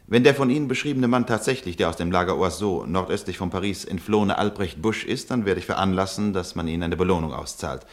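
A cold wartime occupation officer in a radio play, played by a man, with a low-pitched voice. He speaks formally and officiously, smoothly evasive and condescending. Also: quick pace, few pauses, natural voice. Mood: smoothly official. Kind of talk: German radio play acting.

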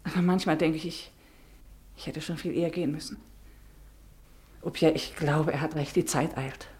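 An actress playing a gentle, torn and devoted wife and mother in a German radio play. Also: sits low, fairly even intonation, normal speed, close to an everyday voice. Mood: resigned.

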